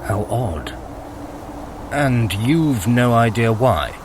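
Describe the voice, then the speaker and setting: An actor playing a guarded, irritable trickster god in an audio drama, dry and sarcastic. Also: male voice, mid-range voice, sing-song, drawn-out words, a little hiss or hum. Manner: dry, sarcastic, clipped asides. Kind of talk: scripted audio drama acting.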